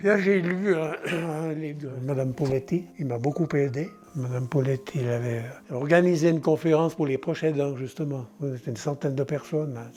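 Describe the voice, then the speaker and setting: With noticeable background noise behind him, a man talks at a moderate pace in a fairly high pitch, his intonation rising and falling in an ordinary way. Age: 80s+. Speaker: family caregiver, retired butcher. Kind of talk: interview testimony; casual chat while cooking. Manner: hesitant, with fillers.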